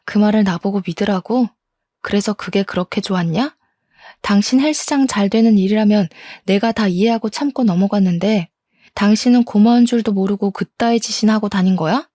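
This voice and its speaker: A woman voicing a betrayed wife confronting her cheating husband with indignant, sharp words. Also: mid-range voice, moderate pace, no echo, clean studio sound, close to an everyday voice.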